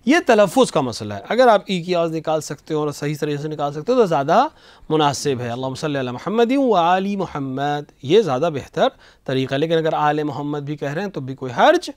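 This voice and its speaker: Man, religious scholar, patient explainer, fairly high voice, dry studio sound. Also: lively intonation, no room sound. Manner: patient, explanatory, recites phrases slowly to demonstrate pronunciation. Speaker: religious scholar answering questions. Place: television studio.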